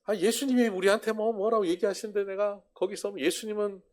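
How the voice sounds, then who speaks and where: A man voicing a blunt, gruff middle-aged male apostle who talks in a brusque, scolding way and then confesses. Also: sits high, fairly even intonation, brisk, darkish tone, pitched above the performer's own voice, lightly acted. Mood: reminiscing.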